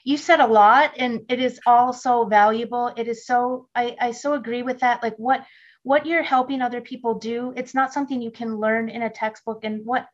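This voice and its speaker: A woman interviewing a guest, affirming her warmly and enthusiastically. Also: a little high, lo-fi sound. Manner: affirming and enthusiastic, with fillers and restarts. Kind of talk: casual interview.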